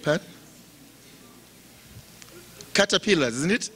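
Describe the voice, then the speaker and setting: A man from Zimbabwe preaching a sermon in a slow, emphatic style, his voice rising and dropping for effect. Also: a little high, animated, a bit bright, a little hiss or hum.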